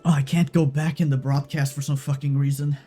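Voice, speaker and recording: A man's voice: on the high side, little pitch movement, fairly quick, mellow, faint music behind. A man streaming a game live, shaken and stressed, swearing and repeating himself.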